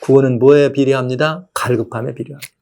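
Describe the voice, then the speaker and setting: A male pastor giving a lively sermon, often putting rhetorical questions to the congregation. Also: medium pitch, fast. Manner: animated preaching, asks rhetorical questions.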